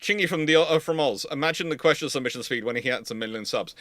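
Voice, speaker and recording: A man hosting a naval history livestream, answering questions in casual chat with halting, repetitive phrasing. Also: medium pitch, pushed and bright, no room sound.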